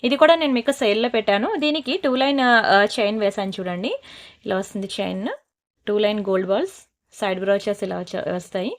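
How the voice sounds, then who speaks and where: A woman selling jewellery in a brisk, persuasive sales pitch, slipping into scolding asides. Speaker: jewellery seller.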